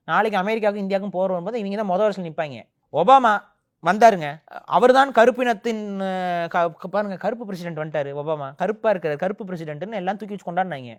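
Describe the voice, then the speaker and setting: A man giving a heated opinion in an interview, speaking with indignant force that keeps rising into emphatic outbursts. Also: sits high.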